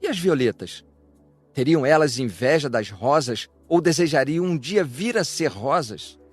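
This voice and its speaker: A man reading a reflective spiritual discourse in a measured, declamatory way. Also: a little high, expressive, breathy edge. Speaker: audiobook reader of a spiritual lecture. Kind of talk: scripted narration, reflective religious discourse. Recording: music behind the voice. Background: music.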